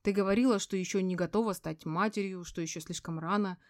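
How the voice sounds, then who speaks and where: A woman's voice: mid-range voice, steady tone, fast talker, no room sound, lightly acted. A woman reading an audiobook voices a hurt, bewildered man defending himself, in a subdued manner close to her own voice. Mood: hurt, defensive.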